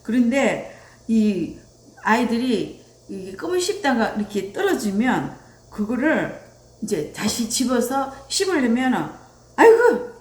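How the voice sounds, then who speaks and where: A woman's voice: a little high, slow pace. A woman giving a lecture on parenting, speaking animatedly and acting out bits of dialogue. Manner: animated, acts out quoted dialogue. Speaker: parenting educator. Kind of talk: lecture on child rearing. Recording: roomy echo.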